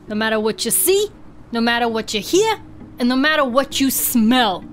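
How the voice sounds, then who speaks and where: A woman's voice: a little high, lively intonation, normal speed, a little hiss or hum, close to an everyday voice. A woman voicing a crude, foul-mouthed deputy who barks brusque orders in an audio drama game. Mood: bossy, irritated.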